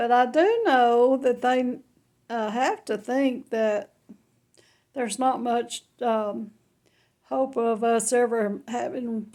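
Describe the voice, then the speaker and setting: A woman's fairly high voice, dark and mellow in tone, with fairly even intonation. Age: 80s+. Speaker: retiree. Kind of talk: casual talk to camera. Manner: rambling, hesitant.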